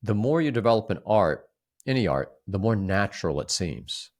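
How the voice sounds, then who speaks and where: Deep-voiced man, reflective and halting. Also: very animated, darkish tone. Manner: halting, repeats words and restarts often. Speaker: podcast co-host. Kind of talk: reflective conversational discussion.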